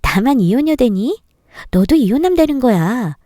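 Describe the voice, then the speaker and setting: A woman's voice: on the high side, big pitch swings, normal speed, dark tone, dry recording, studio quality. A woman voicing an angry young husband who scolds his wife with indignant scorn. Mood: scornful.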